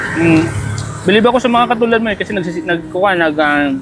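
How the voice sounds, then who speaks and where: Guy vlogging on a hot street, kinda high voice, keeps asking short "ok?" questions, nice and encouraging. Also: lively intonation, moderate pace, very noisy. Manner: coaxing, short repeated check-in questions; encouraging and kindly. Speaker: vlogger handing out gifts. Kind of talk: casual on-the-street chat. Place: outdoors on a sunny street. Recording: background music under the voice.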